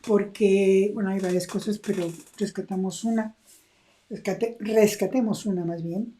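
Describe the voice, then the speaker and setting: Female co-host, very dark mellow tone, calm news reading. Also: mid-range voice, measured pace.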